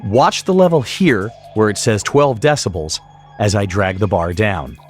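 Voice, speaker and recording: Low-voiced man narrating a lively tutorial. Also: measured pace, soft background music. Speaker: tutorial instructor. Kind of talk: scripted software tutorial narration.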